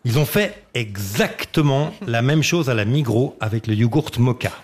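A man's voice: mid-range voice, expressive, normal speed, background noise. A man telling an absurd comic story in a playful way. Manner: playful, laughs easily. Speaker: comedian panelist.

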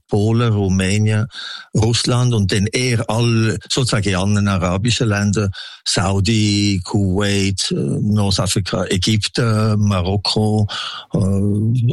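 Low-voiced Swiss German man in his seventies. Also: dry recording, studio quality. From Switzerland. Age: 70s. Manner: rambling storyteller who lists many places. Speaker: interviewee, Swiss emigrant. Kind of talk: casual radio interview.

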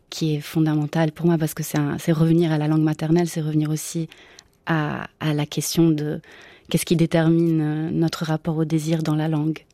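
A woman from Italy, a native Italian speaker, answering radio interview questions in a thoughtful way, pausing and searching for words. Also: deep voice, warm tone, dry recording. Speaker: theatre maker, guest.

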